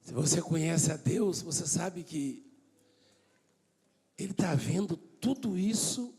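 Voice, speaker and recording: A Brazilian pastor preaching a sermon to his congregation, swinging from hushed talk to shouting and acting out dialogues. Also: on the high side, animated, slow, creaky. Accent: Brazilian Portuguese.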